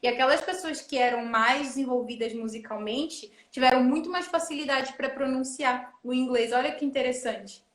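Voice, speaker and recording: High-voiced woman in a roomy space. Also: moderate pace, hardly any pauses, fairly bright tone. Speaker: host. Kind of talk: casual live chat. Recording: roomy echo.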